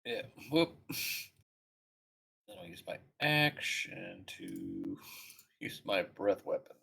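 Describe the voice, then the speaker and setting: A gravelly man plays a tabletop game. His pitch swoops widely as he describes his turn and giggles. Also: huge pitch swings, takes it slowly, fairly bright tone. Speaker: player. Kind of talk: casual tabletop game chat.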